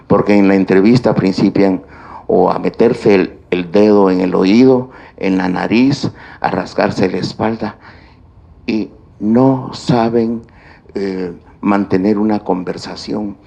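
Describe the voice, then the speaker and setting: A man giving a university lecture on grammar, speaking deliberately and listing points one by one. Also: on the low side, creaky, darkish tone. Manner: slow, deliberate delivery with stretched pauses and lists. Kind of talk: classroom lecture on grammar and writing.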